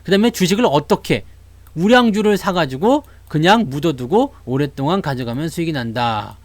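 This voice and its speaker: Male stream host, casual market talk, high lively pitch, dry room. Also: a little fast, no echo. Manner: animated, acts out investors' voices. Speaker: stock market YouTuber.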